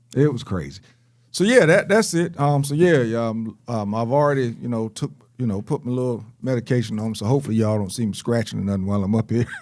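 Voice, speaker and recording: A man with a medium-pitched voice races along at a very fast pace, his intonation lively. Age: 50s. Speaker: podcast host. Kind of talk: casual chat. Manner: halting.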